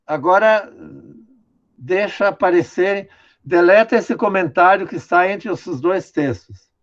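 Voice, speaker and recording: A man's voice: high-pitched, a little slow. Older man explaining, dull call audio. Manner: patient, explanatory, many "né?" tags, directs the screen operator. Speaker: linguistics professor. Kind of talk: online lecture, commenting on a student text. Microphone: video call.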